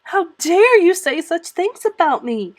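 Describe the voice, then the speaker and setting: A woman's voice: extremely high pitch, sing-song, a little slow, pitched above the performer's own voice, full character voice. A woman voicing a furious, indignant eleven-year-old orphan girl in a storybook, in emphatic outbursts. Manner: emphatic, exclamatory, shouting outbursts.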